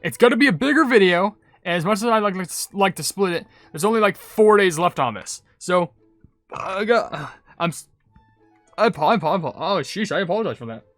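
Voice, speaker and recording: A man's voice: high voice, animated, brisk, fairly bright tone, no echo, faint music behind. A man hosting a gaming video with casual, rambling, stammering commentary and playful asides.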